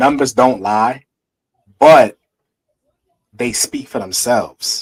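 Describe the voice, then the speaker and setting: Dry and close with no echo, a man with a New York accent talks very slowly at a medium pitch, using ordinary pitch variation and long, frequent pauses. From New York City (Brooklyn). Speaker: livestream talk show host. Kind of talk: casual chat.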